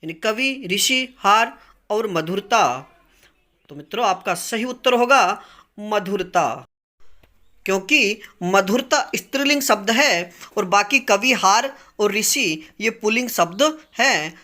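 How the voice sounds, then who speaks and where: A man's voice: sits high, animated, slow, pushed and bright. A man teaching as he runs a grammar quiz, reading each question and its options, then explaining the answer patiently.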